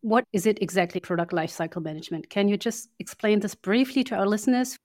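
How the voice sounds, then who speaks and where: A woman's voice: mid-range voice, quick pace, a little mellow. A woman co-hosting a podcast, politely welcoming and introducing guests. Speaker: co-host.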